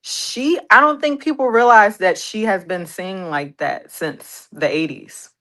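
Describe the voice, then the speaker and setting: A woman's voice: mid-range voice, big pitch swings, measured pace, pushed and bright. A woman singer and pianist, a guest in an interview, talking candidly and telling stories with light laughter. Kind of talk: casual interview chat.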